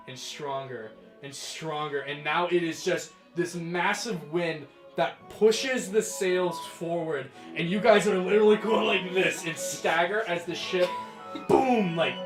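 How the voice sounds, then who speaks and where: Game master, young man, fairly high voice, rambling narration; echoey room with music playing. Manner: rambling, many fillers, quick bursts.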